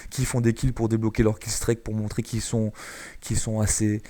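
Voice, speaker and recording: A man's voice: on the low side, completely flat delivery, moderate pace, mellow. A man from France giving chatty, explanatory commentary over a shooter gameplay video, with many hesitations. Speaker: gaming YouTuber.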